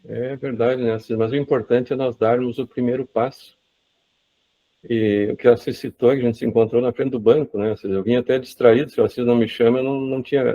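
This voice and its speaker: A man leading a casual group discussion over a video call, talking conversationally with frequent tag questions. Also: mid-range voice. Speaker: study group leader. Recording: tinny phone-like line.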